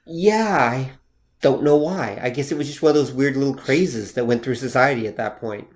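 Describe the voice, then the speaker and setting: Regular-voiced guy on a podcast, relaxed, keeps the chat moving. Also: medium pitch, moderate pace. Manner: easygoing, steers the talk along. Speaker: podcast co-host. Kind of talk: casual chat.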